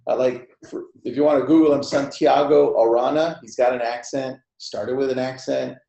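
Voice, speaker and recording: A man's voice: medium pitch, steady tone, normal speed, vocal fry, mellow. A man hosting a casual group webinar chat in an informal, laid-back way. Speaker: host of a group discussion. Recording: echoey room.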